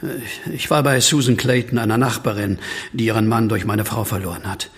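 Husky, troubled, brooding man. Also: fairly low pitch, fairly even intonation, fairly quick. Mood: uneasy. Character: troubled, anxious man who fears he is a werewolf. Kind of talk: German horror audio drama acting.

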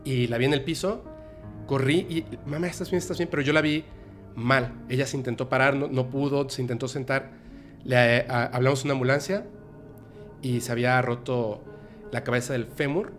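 Man, podcast host, emotional, halting, restarts, faint background music. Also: mid-range voice. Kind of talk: emotional personal storytelling.

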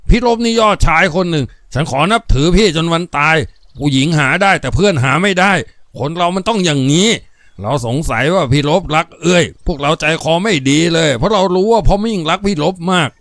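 A man voicing a blunt, rough-spoken and loyal young man in an audiobook novel. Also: a little high, expressive, fairly quick, hardly any pauses, dry recording, clean studio sound, pitched above the performer's own voice. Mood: excited.

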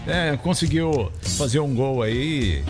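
A man's voice: mid-range voice, lively intonation, slow pace, over music. A man in his thirties co-hosting a radio sports show, joking and cheering on his team. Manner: jokey, cheers on his team, calls people "queridão". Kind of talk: casual sports chat. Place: radio studio. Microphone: studio boom mic with headphones.

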